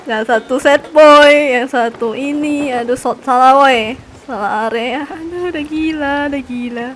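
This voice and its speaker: A woman's voice: high-pitched, a little slow, a bit bright, soft background music. A young woman streaming a game, laughing often and sighing in exasperation at her teammate. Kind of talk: casual live-stream chat.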